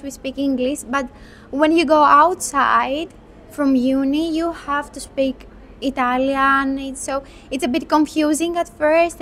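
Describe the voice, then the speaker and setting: A young Greek woman with a high, light voice answers questions in a thoughtful, unhurried way, sometimes restarting a phrase. A faint outdoor hum sits behind her. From Greece. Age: 20s. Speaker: medical student. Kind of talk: interview.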